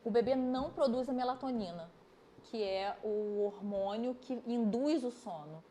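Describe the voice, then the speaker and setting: A woman, an osteopath and physiotherapist, explains things step by step on a podcast, with lively examples. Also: on the high side, measured pace, a little hiss or hum. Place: podcast studio.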